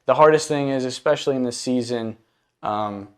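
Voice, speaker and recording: A young man in his twenties with a smooth, resonant voice, talking about his rental business in a relaxed interview. He speaks easily, with plenty of pauses and fillers. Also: mid-range voice. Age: 20s. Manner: laid-back, hesitant with fillers. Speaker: event rental business owner. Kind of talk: casual interview conversation.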